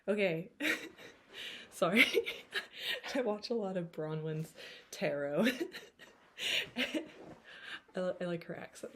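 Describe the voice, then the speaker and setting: A woman's voice: on the low side, expressive, drawn-out words, pauses often, a bit bright. A woman with a Pennsylvania accent, chatting casually and giggling often as she leads a tarot reading. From United States. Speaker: tarot reader. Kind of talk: casual chat.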